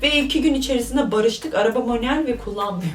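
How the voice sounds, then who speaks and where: A young woman vlogger reading viewer stories with animated, joking, exclamatory commentary. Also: on the high side, fast, distant mic, soft background music. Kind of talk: casual comic commentary. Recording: roomy, voice from off the mic.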